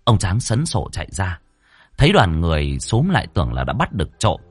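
A man narrating a comic folk-style tale in a lively way. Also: low voice, fairly quick, husky, dry recording, soft background music. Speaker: storyteller.

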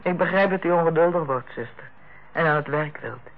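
An actress in a Dutch radio play as a female hospital director, authoritative yet kindly, speaking in a measured, formal and persuasive way. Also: sits low. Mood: earnest, careful. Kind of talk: Dutch radio drama acting. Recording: muffled, band-limited old radio recording.

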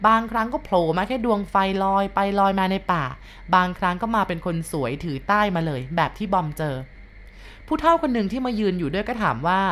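A woman's voice: mid-range voice, slight background noise. A woman narrating a ghost story in a polite, conversational storytelling manner. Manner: polite and conversational, with soft sentence endings.

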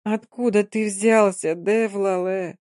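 A woman's voice: a little high, expressive, brisk, no echo, clean studio sound, voice pushed up, natural voice. Woman voicing a fiery young Gypsy woman. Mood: furious. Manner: sharp, impassioned.

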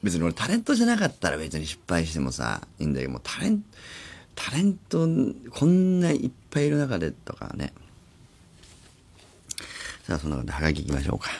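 A radio host in his forties chats casually at a studio mic, wandering from thought to thought. His low voice swings up and down a lot as he acts out little scenes. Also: fast talker, creaky, pauses often, slightly rough. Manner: rambling, animated storytelling with acted-out asides. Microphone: studio microphone.

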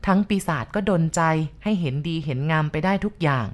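A stern older man lays out his ghost lore in an insistent, lecturing tone, voiced by a woman reading a story aloud. The voice sits fairly low and keeps a firm, steady push behind each explanation. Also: fast talker.

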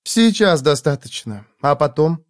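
A man voicing a fierce, sharp-tongued young woman in a storybook reading, mocking and commanding. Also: very animated, measured pace. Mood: reproachful. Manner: mocking, commanding, shrill when angry.

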